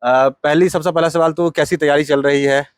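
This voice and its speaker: A man's voice: fairly high pitch, steady tone, moderate pace, smooth, dry recording, clean studio sound. A man interviewing as a journalist, putting long, wordy political questions. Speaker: news interviewer.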